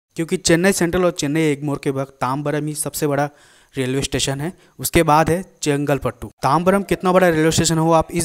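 Moderate pace and fairly even intonation. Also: man. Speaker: travel vlogger. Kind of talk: casual vlog chat. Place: train. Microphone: phone near.

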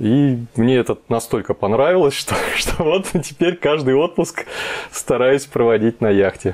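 The man speaks at a fairly slow pace. His intonation is lively. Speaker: interview guest. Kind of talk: interview answer. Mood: warm, smiling, occasional laughs. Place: studio. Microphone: lapel.

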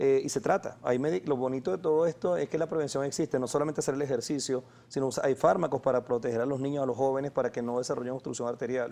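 A man talks very fast in a fairly high pitch. His tone is dark and mellow, his intonation fairly even. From Venezuela, Trujillo state (Andes). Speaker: cardiologist; guest. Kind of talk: TV health interview. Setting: TV studio. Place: studio. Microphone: lapel.

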